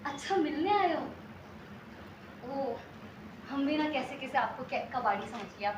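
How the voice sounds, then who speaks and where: A woman's voice: very high-pitched, noisy background. A woman playing a bossy chattering young daughter. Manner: rapid, bossy, rambling chatter. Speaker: bride-to-be. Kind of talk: stage comedy acting. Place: theatre stage. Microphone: distant stage mic. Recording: echoey theatre from far off, music.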